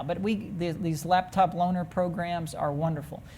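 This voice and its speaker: A woman speaks at a moderate pace in a fairly low, somewhat breathy voice. Audible room echo is present. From rural Texas. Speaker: government program official. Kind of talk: panel discussion. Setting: virtual conference, in a room with the moderator.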